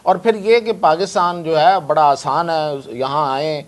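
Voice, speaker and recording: Confident man, higher voice. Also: fairly even intonation. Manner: confident, salesman-like, mixes in English phrases. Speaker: defense analyst guest. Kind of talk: discussion on a news talk show.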